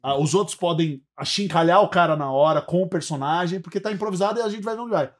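A man in a casual interview chat, animated, acting out little scenes as he tells them. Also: high-pitched, fast talker. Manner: animated storyteller, acts out scenes. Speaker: comedy group member.

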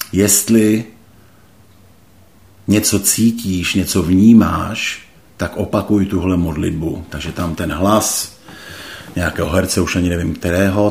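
A middle-aged man slowly and thoughtfully recounting a personal faith experience, hesitating often. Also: deep voice, a little mellow. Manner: slow, hesitant, thoughtful, many pauses and fillers. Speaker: interview guest. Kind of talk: reflective personal testimony.

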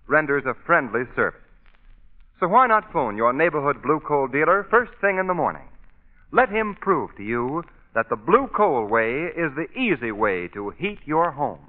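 Animated old-time radio announcer man. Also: medium pitch. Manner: theatrical, formal, emphatic. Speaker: announcer and narrator. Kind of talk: 1930s radio announcing, scripted narration. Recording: tinny, narrow old radio broadcast.

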